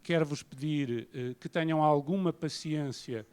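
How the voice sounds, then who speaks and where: A man from Portugal with a European Portuguese accent, giving an academic lecture in a measured, self-deprecating way. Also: fairly high pitch, a little mellow, clear, resonant tone. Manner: measured, self-deprecating, paces around while speaking. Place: lecture hall.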